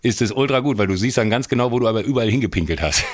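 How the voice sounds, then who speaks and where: Fast-talking man, dry close sound. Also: mid-range voice, no room sound. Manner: fast, animated joking storyteller. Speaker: podcast guest. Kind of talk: casual chat. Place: on vacation, indoors.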